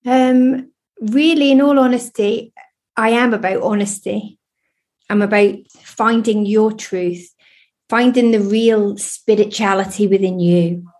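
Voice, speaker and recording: A woman's voice: medium pitch, steady tone, a little slow. An English woman in her fifties with a slightly Scottish-sounding accent, a spiritualist medium candidly sharing her life story in a podcast interview. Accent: English, with a Scottish tinge. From England. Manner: earnest, candid, warm.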